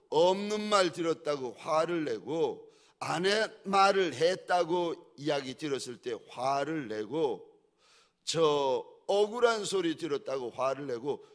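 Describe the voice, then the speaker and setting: A male pastor preaching with a fairly high voice that leaps up and down in pitch. He talks slowly and deliberately, dropping to hushed pleas and then rising to loud exhortation. He keeps repeating phrases and throwing rhetorical questions at his listeners. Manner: swings between hushed pleading and loud exhortation; repetitive, rhetorical questions to the congregation. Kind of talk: sermon.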